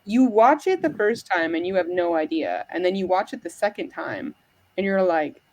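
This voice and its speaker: A woman's voice: fairly low pitch, sing-song, moderate pace, a little mellow. An American woman hosting a casual chat, rambling with many fillers. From United States. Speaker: podcast host.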